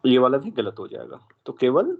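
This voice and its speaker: A man's voice: medium pitch, huge pitch swings, normal speed, creaky, narrow, tinny audio. A man teaching an exam math problem in a classroom, mixing Hindi with English math terms and quizzing his students.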